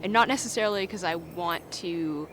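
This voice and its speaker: A woman's voice: lowish voice, normal speed, over music. A woman in her twenties from Canada who speaks hesitantly and thoughtfully in a documentary interview. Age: 20s.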